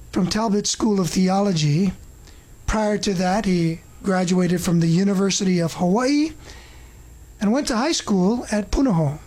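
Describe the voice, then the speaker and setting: A woman hosting a Christian talk show, reading an earnest introduction and asking questions in a measured way. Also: mid-range voice, a little mellow, breathy edge. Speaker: host. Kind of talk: scripted intro and interview questions.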